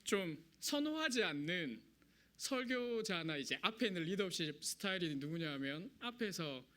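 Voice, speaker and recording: Bright high-voiced young Korean preacher. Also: male voice, big pitch swings, moderate pace. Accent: Korean regional dialect. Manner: self-deprecating, conversational, nervous humor. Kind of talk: sermon. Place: church sanctuary.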